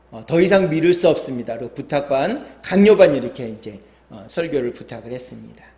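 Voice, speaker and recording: Male pastor, sermon storyteller, slightly high voice, echoey church sound. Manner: animated storyteller, acts out quoted lines with higher pitch.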